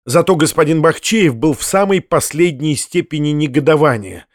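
A man reading classic literary narration at a measured pace in an audiobook. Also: fairly high pitch, expressive, no room sound, studio quality.

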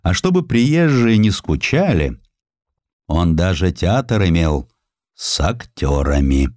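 A man with a low voice narrates history in a theatrical, highly expressive way. His intonation swings widely as he tells the tale, and the recording is dry and close. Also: slow, no room sound. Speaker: audiobook narrator. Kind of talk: dramatized scripted narration of a historical sketch.

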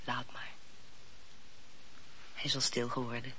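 A woman playing an emotional married lady of the house in a radio drama, expressive, urgent and tender. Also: extremely low pitch, unhurried, exaggerated voice. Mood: tender, pleading. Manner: expressive, switches between commands and soothing. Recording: muffled old radio recording with noise.

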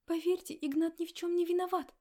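A woman voicing a timid, tearful young pregnant woman who talks softly, sobbing and stammering. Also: high voice, steady tone, brisk, voice pushed up, lightly acted. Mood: anxious pleading.

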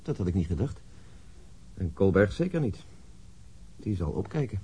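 A man's voice: low voice, sing-song, normal speed, warm tone, slightly rough, exaggerated voice. An actor playing a phlegmatic, pragmatic male police colleague in a radio drama, dry and matter-of-fact. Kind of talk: Dutch radio drama acting.

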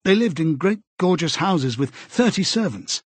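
A careful, earnest middle-aged man, voiced by a male narrator. He talks in a measured, tentative way with a slightly husky tone. The sound is close and dry, with no room. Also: on the high side, animated, no room sound, voice pushed up. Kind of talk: audiobook character voice.

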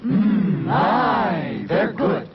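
A man's voice: high-pitched, very animated, very slow, over a noisy crowd. A man as the second voice in a 1940s radio advertisement, on an old recording. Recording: dull old radio recording, loud background din.

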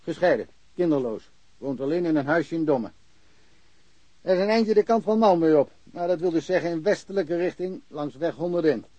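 A small-town cop in a radio play, with a slightly high, mellow voice. He rambles in a wry, dryly humorous way, recorded close and dry. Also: expressive, brisk, dry recording, dull audio. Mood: matter-of-fact. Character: chatty, wry small-town policeman, fed up with paperwork. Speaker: actor in a radio crime drama. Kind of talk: naturalistic radio play dialogue.

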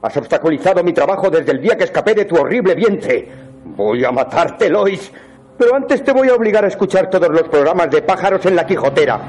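A man voicing a furious villain who threatens his mother, shouting and gloating over music. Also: sits high, expressive, fairly quick, pitched above the performer's own voice, rough recording. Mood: menacing.

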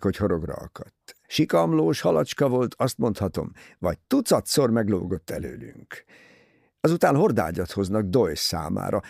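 A male reader voicing a stern, practical middle-aged male officer in an audiobook, speaking briskly and matter-of-factly. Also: fairly low pitch, gravelly, darkish tone, no echo, clean studio sound, heavily acted.

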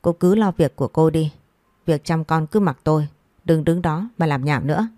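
A woman voicing a drunken, abusive middle-aged husband who scolds harshly and quickly. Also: low voice, warm tone, no echo, clean studio sound, close to an everyday voice. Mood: scolding. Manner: harsh, scolding, rapid-fire.

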